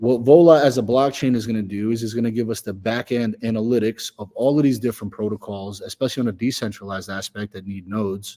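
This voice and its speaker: The tone is dark and mellow, with ordinary pitch variation. The recording is very clean, with a silent background and a dry, close sound with no echo. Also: man. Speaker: crypto project founder. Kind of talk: interview. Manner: fast; animated.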